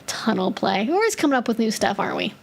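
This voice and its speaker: A woman's voice: fairly high pitch, big pitch swings, fast, creaky. A woman hosting a casual live-stream Q&A, answering viewer questions in a chatty way, with lots of filler words as she thinks aloud.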